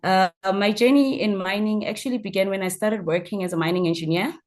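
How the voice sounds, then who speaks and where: A woman with a South African accent introducing herself as a guest speaker in an informal online talk, phrasing things haltingly with repeated words. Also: medium pitch, a little mellow. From Mpumalanga, South Africa. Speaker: guest speaker, mining entrepreneur. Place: online video call.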